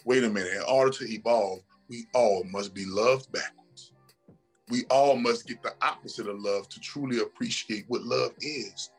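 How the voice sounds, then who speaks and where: Male podcast guest, husky tone, sermon-like motivational delivery, faint music under. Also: mid-range voice. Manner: preachy, emphatic, repeats phrases and asks "right?". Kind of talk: casual motivational talk.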